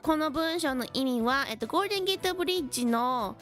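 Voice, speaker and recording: A woman with a high, light voice teaches English vocabulary on a stream, switching between slow, deliberate English and quick casual Japanese. She answers chat with easy laughs, and faint music plays behind her. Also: lively intonation, fairly bright tone. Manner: chatty, laughs often, reads chat comments. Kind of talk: bilingual English lesson stream.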